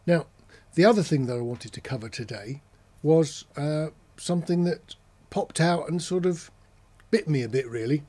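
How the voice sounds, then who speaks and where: A man's voice: fairly high pitch, normal speed, few pauses, mellow, husky. A man giving a casual explainer as a presenter, talking in a matter-of-fact, conversational way, step by step. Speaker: presenter of an audio gear channel.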